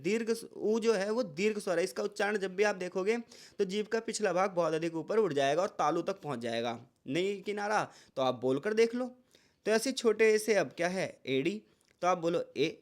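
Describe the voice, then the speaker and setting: A man tutoring students for an exam in a casual, repetitive lecture style, calling them "bhai" and stretching out example sounds slowly. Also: high voice. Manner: conversational, repeats points, addresses students as bhai.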